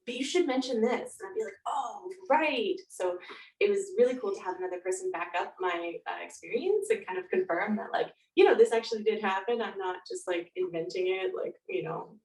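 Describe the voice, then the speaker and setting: A woman's voice: mid-range voice, darkish tone. A woman guest chatting casually and reflectively in an interview, telling stories in an informal way. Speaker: guest author. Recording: roomy echo, distant from mic.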